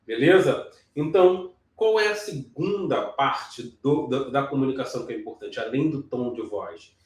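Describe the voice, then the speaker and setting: A man's voice: mid-range voice, moderate pace. A man teaching real estate agents sales technique, explaining step by step and checking in often with short questions. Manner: explanatory, frequent check-ins like "ok?" and "certo?", some restarts. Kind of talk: sales training lesson. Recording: echoey room, voice from some distance.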